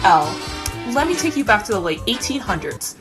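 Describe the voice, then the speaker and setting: A woman's voice: mid-range voice, sing-song, moderate pace, natural voice. A woman playing a showy game show host in a theatrical parody. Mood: showy, welcoming. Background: music.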